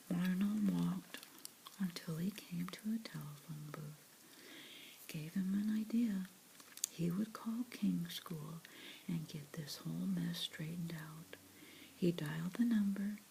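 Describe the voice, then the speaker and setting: A woman whispering a children's storybook aloud, ASMR style, with gentle asides. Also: on the low side, creaky, a little hiss or hum, rough recording.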